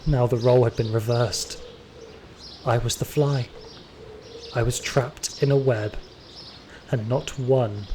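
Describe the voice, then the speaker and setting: A man's voice: medium pitch, close to an everyday voice. A man playing a terrified, wounded security guard, narrating his ordeal in intense first-person audio drama style. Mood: grim, subdued. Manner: intense, anguished, theatrical. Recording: loud music behind the voice.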